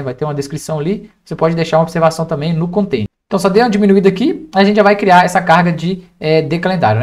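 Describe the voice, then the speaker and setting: A young man with a Brazilian accent giving an informal step-by-step software tutorial, often adding little checking tags as he explains. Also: fairly high pitch. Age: young adult. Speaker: data engineering instructor. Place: indoors at a computer, screen recording with webcam.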